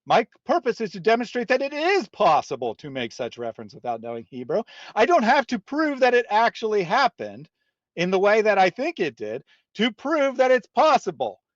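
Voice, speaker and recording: A man's voice: high voice, wildly swooping pitch, moderate pace, no echo, highs cut off. A man hosting a live reaction stream, arguing his points insistently in debate-style commentary. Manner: argumentative, insistent. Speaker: livestream host. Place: indoors, live online stream.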